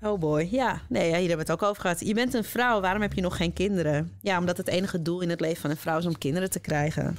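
A woman talks at a very fast pace with hardly any pauses and very even loudness. Her fairly low voice has ordinary pitch variation over a quiet background. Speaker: podcast host. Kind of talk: conversational interview. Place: studio. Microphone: studio mic.

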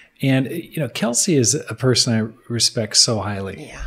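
A somewhat breathy male voice at a moderate pace in a very clean recording with a silent background. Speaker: podcast host. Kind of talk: casual interview.

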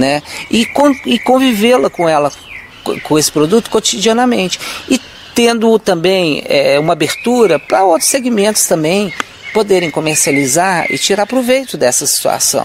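A man's high-pitched voice at a moderate pace, with very wide pitch swings and very even loudness, dry with no echo over light background noise. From Brazil, Minas Gerais (Patrocínio); Minas Gerais, Brazil. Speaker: visual artist; interviewee. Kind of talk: interview. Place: garden. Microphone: handheld.

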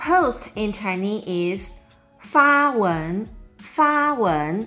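A woman's fairly high voice with very wide pitch swings, faint music in the background. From Taiwan. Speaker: language teacher. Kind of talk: language lesson to camera. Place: home room.

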